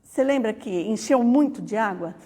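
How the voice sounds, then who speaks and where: A humble little boy who answers softly and matter-of-factly, quoted by a woman telling a story. The voice stays mellow and a little husky. A long hall reverb hangs around every word. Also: extremely high pitch, lively intonation, moderate pace. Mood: explaining. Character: quiet humble little schoolboy.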